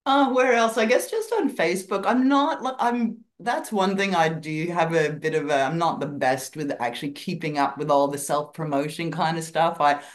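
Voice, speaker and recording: A woman from Canada with a Canadian accent mixed with some Australian, talking as an author guest over a video call in a relaxed, modest, rambling way. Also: low voice, moderate pace, few pauses. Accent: Canadian with Australian influence. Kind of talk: casual interview chat.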